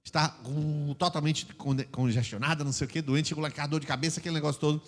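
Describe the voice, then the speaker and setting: An older man preaching a sermon in Brazilian Portuguese, animated and acting out quarrels in mock voices. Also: on the high side, quick pace. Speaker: pastor. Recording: long church reverb.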